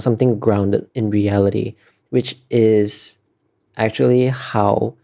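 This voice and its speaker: Mellow-voiced man explaining things haltingly. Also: fairly low pitch, creaky. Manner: hesitant, self-correcting, explanatory. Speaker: concept artist being interviewed. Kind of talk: casual interview conversation.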